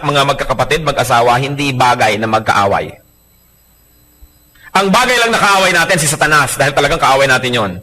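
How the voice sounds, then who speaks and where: A man preaching a sermon as pastor, animated and joking as he explains. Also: on the high side.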